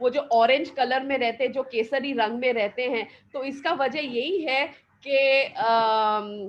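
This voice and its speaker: A woman speaks with a high voice. Her pitch rises and falls in an ordinary way. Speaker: spiritual speaker. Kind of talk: devotional talk. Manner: halting, with fillers.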